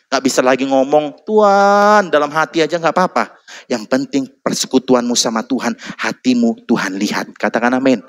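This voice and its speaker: Animated male preacher. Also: a little high. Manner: animated, exhorting, calls for amen. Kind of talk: sermon.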